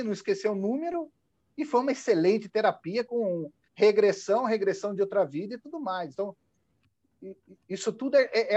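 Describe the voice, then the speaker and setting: A high-voiced hypnotherapist recounts cases from his practice, acting out the lines he uses with clients. The audio is dull and lo-fi, like a call, and very dry, with no room sound. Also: darkish tone, dry recording. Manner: demonstrative, acts out what he says to clients. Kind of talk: sharing practice anecdotes.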